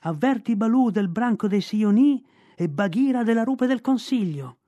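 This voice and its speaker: A man voicing a desperate young boy held captive, calling out in shrill shouts. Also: animated, moderate pace. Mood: urgent shouting.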